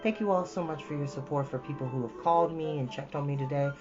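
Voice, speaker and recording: A woman's voice: sits low, fast, darkish tone, lo-fi sound, faint music behind. A woman hosting storytime, reading expressively and chatting casually to listeners. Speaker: storytime host and reader.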